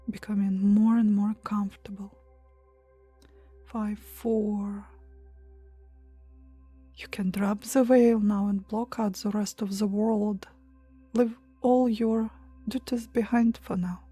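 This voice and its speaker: A woman leading a guided meditation in a soft, breathy, hushed and soothing voice, pausing between short phrases. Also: medium pitch, no echo. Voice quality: soft, breathy, near-whisper at times. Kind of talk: guided meditation, hypnotic relaxation countdown.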